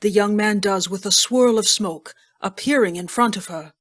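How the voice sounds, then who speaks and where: A woman's voice: mid-range voice, moderate pace. Woman narrating an audio drama script.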